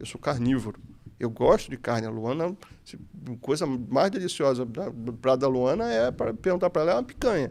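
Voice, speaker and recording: A man with a medium pitch talks at a moderate pace. His intonation is lively, and his loudness swings widely. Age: 40s. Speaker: chef, gluten-free baker. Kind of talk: podcast interview, casual conversation. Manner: animated.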